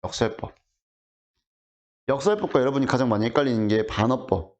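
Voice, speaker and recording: A man teaching high school literature in an online lecture, talking casually and asking his students rhetorical questions. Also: animated, a little fast, darkish tone. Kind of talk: online exam explanation lecture. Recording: dull lo-fi audio.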